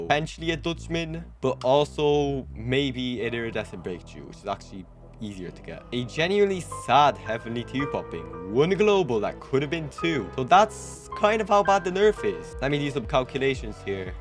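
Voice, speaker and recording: A young adult man giving casual gameplay commentary to camera as the host of a gaming video. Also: medium pitch. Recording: music behind the voice.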